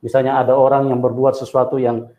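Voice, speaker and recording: A man, a pastor and host, calmly asking questions and drawing a spiritual lesson. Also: medium pitch, fast talker. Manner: calm, affirming with frequent murmurs. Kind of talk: interview and short preaching. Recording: slightly dull lo-fi sound.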